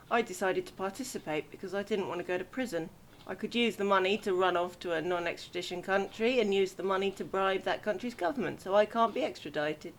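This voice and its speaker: A woman's voice: medium pitch, lightly acted. Dry, sceptical fugitive played by a woman. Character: sceptical, grudging young female fugitive bank robber. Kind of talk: amateur audio drama acting.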